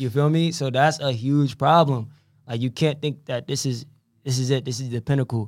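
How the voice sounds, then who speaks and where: A man with an American accent uses a plain, everyday voice at a medium pitch and a moderate pace. His intonation is fairly even, and the recording is very clean with a silent background. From Norwich, Connecticut (Greenville area). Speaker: podcast guest. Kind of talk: casual chat. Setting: studio.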